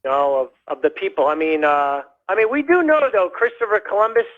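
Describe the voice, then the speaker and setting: A man calling in to a radio show, rambling in a halting way with many fillers and restarts. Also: high voice, big pitch swings. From United States. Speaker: caller. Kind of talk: rambling call-in chat. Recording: dull lo-fi phone call.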